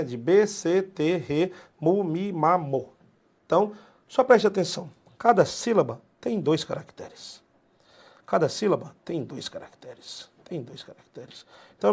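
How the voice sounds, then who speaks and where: A man with a Brazilian Portuguese accent leads a recorded exam-prep math lesson. His voice sits fairly high and swings widely in pitch. He talks bluntly and with emphasis, drops slang and says key points again and again. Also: a little mellow. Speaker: math teacher.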